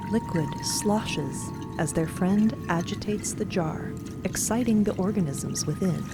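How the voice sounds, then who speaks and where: A woman's voice: medium pitch, measured pace. A woman narrating a scripted drama podcast in a theatrical storytelling style. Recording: loud music under the voice. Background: music.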